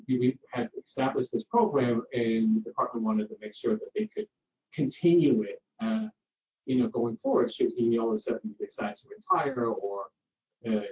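A middle-aged Danish man who researches parasites tells a relaxed, chatty anecdote, packed with fillers and acted-out dialogue. His medium-pitched voice is warm, with a little hiss or hum. The audio sounds roomy, distant and muffled, with faint ambience.

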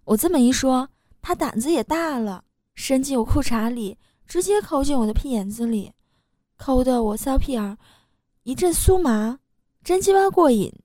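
A woman reading a first-person story aloud in a low-key, relaxed way. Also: moderate pace, dry recording, studio quality. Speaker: story reader.

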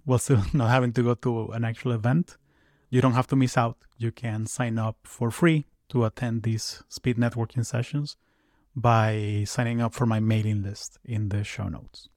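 A man's voice: medium pitch, a little mellow, no echo. Friendly male podcast host, dry sound. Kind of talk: podcast announcements and interviewing.

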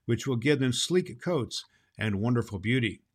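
A man's voice: mid-range voice, animated, moderate pace, lightly acted. A man reading the part of a gracious queen of the nymphs.

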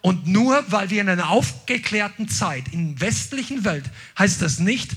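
A male preacher with a very high, bright, sharp voice and a gravelly, husky edge. He delivers an impassioned sermon, shifting from loud, forceful declarations to quick, quieter asides. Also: animated, faint music behind. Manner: drops in English words.

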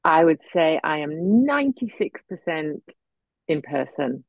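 A woman's voice: sits low, big pitch swings, a little slow, creaky, no room sound. A middle-aged woman from North Yorkshire with a general English accent, chatting as a guest art therapist in a self-deprecating way. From North Yorkshire, England. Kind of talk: casual chat. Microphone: video call.

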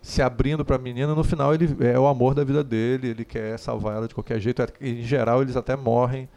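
A man co-hosts a casual conversation, talking in a rambling, animated way that is full of fillers and restarts. His voice has a gravelly edge to it. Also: medium pitch, fast talker. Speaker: podcast co-host. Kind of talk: casual chat.

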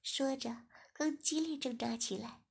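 A woman reads a first-person story aloud in a steady, low-key way. Her voice sits a little high, with a gravelly fry and a husky grain. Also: measured pace. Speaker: story reader.

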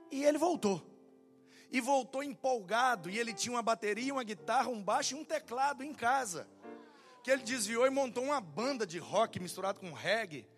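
A young man preaching as a pastor, telling a story and acting out the dialogue. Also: high voice. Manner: animated, acts out dialogue in quotes. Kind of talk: sermon storytelling.

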